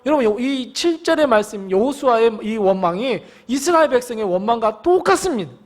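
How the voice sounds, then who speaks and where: A male pastor preaching in a high voice that swings widely up and down. His delivery is theatrical: he sinks to a hushed whisper, then climbs to an impassioned cry. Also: animated, normal speed. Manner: dramatic preaching that drops to whispers and rises to loud cries. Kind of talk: sermon.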